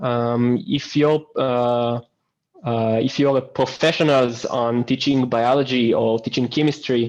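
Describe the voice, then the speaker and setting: The speaker is a man with a non-native accent. He talks fairly slowly. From Israel. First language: Hebrew. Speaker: project coordinator. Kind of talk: video call meeting presentation. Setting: video call. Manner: halting.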